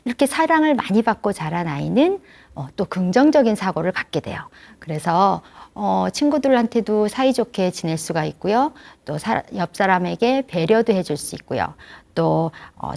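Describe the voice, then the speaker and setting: A woman lecturing grandparents in a gentle, explanatory way, often asking the audience questions. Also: lowish voice, vocal fry.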